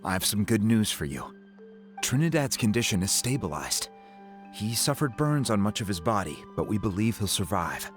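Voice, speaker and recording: Deep-voiced calm tribal chief. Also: male voice, normal speed, soft background music. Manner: calm, explanatory. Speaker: tribe chief. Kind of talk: game cutscene voice acting.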